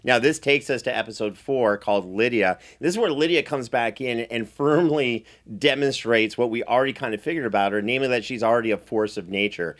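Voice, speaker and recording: A man with a medium-pitched voice hosts a recap podcast. He talks conversationally and effusively, setting up questions for a guest. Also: a little fast, few pauses. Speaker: podcast host and producer. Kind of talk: chatty recap show hosting.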